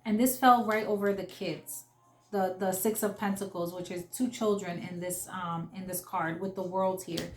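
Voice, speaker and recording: A woman's voice: on the low side, steady tone, normal speed, echoey room, slight background noise. A young adult woman giving a casual spoken tarot reading, earnest and emotional, with many fillers and restarts. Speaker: tarot reader.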